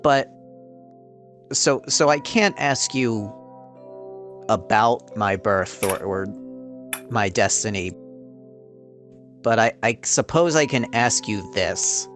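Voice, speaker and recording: A man talking casually and haltingly as a player in a tabletop role-playing game. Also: fairly low pitch, animated, fairly bright tone, soft background music. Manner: hesitant, halting.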